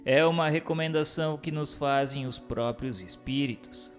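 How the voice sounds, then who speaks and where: A man's voice: on the high side, normal speed. A man gives a scripted, formal and didactic reading of a book of questions and answers. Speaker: narrator. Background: music.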